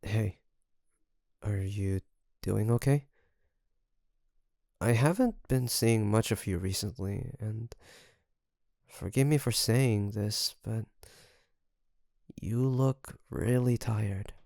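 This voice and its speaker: A man acts out a young male best friend in an intimate roleplay, caring but nervous. His voice is gravelly at the edges and very dry and close. He speaks slowly and haltingly, as if to one listener. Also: on the low side, no room sound. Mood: caring, teasing. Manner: hesitant, halting, soft nervous chuckles. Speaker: voice actor.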